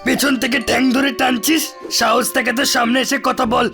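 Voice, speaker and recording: Creaky, very high blustering cartoon animal. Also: male voice, flat delivery, fairly quick, pushed and bright, faint music behind, exaggerated voice. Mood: blustering challenge. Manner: boastful, challenging. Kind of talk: cartoon dub acting.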